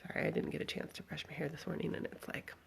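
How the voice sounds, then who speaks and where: Woman, lowish husky voice, heavy creak, casual storytelling, reflective advice to followers. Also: fairly even intonation, fast talker. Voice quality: scratchy, husky voice. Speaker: vlogger speaking to followers. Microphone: handheld phone at arm's length.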